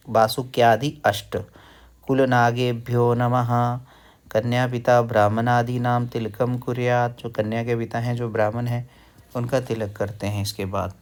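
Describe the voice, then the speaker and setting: A man teaching wedding mantras, reciting slowly and breaking words into syllables for the listener to repeat. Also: mid-range voice, a little mellow. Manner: slow, careful recitation with syllable-by-syllable drilling. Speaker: Sanskrit teacher.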